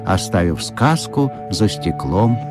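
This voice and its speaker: A man narrating a children's audiobook in a measured storytelling manner. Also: deep voice, big pitch swings, loud music behind the voice.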